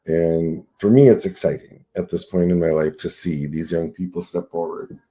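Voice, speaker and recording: Earnest sixty-five-year-old man, mellow low voice. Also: fairly even intonation, moderate pace. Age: 60s. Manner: reflective, earnest, uses "right?" often. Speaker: nonprofit CEO, guest. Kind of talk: casual radio interview.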